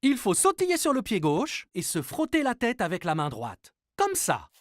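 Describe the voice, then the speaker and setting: Very animated, playful cartoon dad. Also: male voice, high-pitched, normal speed, no echo, studio quality. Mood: playfully confident. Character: cheerful playful young dad, encouraging and patient. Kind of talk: children's cartoon dialogue.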